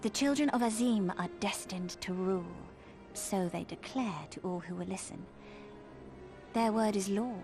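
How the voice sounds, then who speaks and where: A woman playing a gentle young tribal guide in a video game, explaining in measured, solemn, formal phrases. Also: mid-range voice, close to an everyday voice. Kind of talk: game cutscene exposition. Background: faint music.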